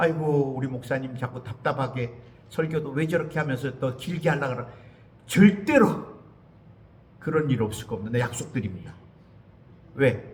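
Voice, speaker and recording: A man's somewhat breathy, animated voice at medium pitch, with ordinary pitch variation, a moderate pace, long, frequent pauses and audible room echo. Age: 60s. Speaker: pastor. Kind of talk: sermon.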